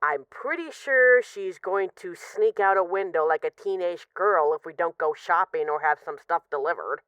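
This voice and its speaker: A woman's voice: on the low side, normal speed, fairly bright tone, smooth, dry recording, dull audio, lightly acted. A woman playing an affectionate, wry mafia boss who misses her partner, rambling hesitantly through intimate voicemails in an audio roleplay. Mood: bored, wry. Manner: hesitant, sighing, wry, conversational.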